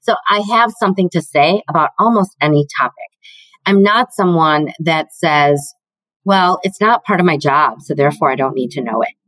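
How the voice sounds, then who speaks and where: A middle-aged woman with a deeper voice, answering interview questions in a confident, measured, emphatic way. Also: lively intonation, a bit bright, no echo, low-quality recording. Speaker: guest, learning and development executive.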